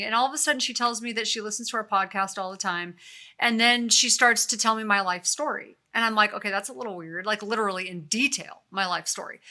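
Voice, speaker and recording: A middle-aged woman co-hosting a podcast, telling stories in a casual, animated and emotional way. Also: a little high. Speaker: podcast co-host.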